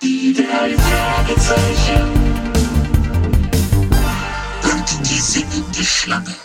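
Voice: medium pitch, very animated, extremely slow, creaky, breathy edge, no echo, clean studio sound, faint music behind, exaggerated voice. A performer voicing an ominous, whispering announcer in a mystery radio-play jingle.

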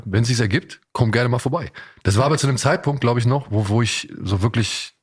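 Colloquial, halting male podcast host. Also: medium pitch, slightly rough. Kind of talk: casual podcast chat.

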